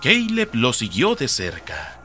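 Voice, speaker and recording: A man's voice: mid-range voice, wildly swooping pitch, slow, sharp tone, soft background music. A man with a Latin American Spanish accent narrating a scripted horror story.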